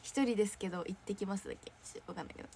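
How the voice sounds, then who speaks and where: A woman's voice: medium pitch, racing, mellow, slightly rough. A young woman hosting a casual fan livestream, chatting in a bubbly way, giggling often and reading viewer comments aloud.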